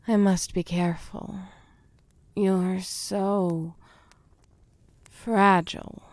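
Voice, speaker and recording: A woman voicing a domineering, possessive fae queen, speaking in breathy whispers and giving commands. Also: fairly low pitch, a little mellow, no echo. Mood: teasing, commanding. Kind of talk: audio roleplay.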